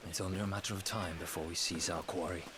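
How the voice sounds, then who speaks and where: An actor playing a deferential military subordinate in a fantasy game, formal and obliging. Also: male voice, deep voice, steady tone, quick pace, background noise, lightly acted. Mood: courteous, assured. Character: deferential, smooth-talking male military subordinate. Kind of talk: fantasy video game voice acting. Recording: loud crowd hubbub behind.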